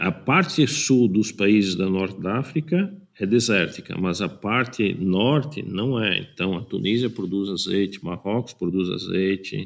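On a very clean recording with a silent background, a man speaks at a fairly slow pace with hardly any pauses, in a fairly low pitch with ordinary pitch variation. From Portugal, Alentejo. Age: 60s. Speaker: wine and olive oil importer. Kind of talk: interview.

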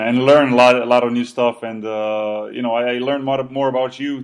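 A man speaks at a medium pitch with a Slovenian accent. His delivery is very fast and monotone, with flat intonation. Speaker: podcast host and pro athlete. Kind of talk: casual interview chat. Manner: hesitant, many fillers.

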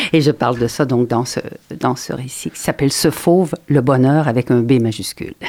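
Her voice very deep and low, a woman speaks at a moderate pace with a dark, mellow tone and ordinary pitch variation. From Quebec. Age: 70s. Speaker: poet. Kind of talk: interview. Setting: radio studio.

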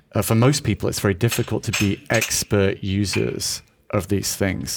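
A man with a British accent at a fairly low pitch and moderate pace, with ordinary pitch variation, on a very clean recording against a silent background. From UK. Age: 40s. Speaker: technology writer and keynote speaker. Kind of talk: interview conversation. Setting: at a conference.

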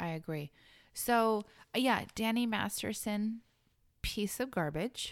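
Very slow and broken by long, frequent pauses, a woman's speech sits at a fairly high pitch with ordinary pitch variation. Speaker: podcast co-host. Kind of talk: casual chat over beers.

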